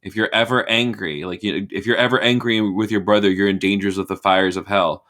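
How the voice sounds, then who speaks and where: Host, man, lowish bright voice, blunt and jokey, casual swearing. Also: steady tone, fairly quick. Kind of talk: casual video chat.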